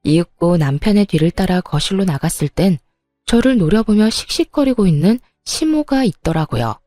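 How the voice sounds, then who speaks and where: A woman narrating a first-person story in a steady, recounting way. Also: lowish voice, moderate pace, no room sound, clean studio sound, faint music behind.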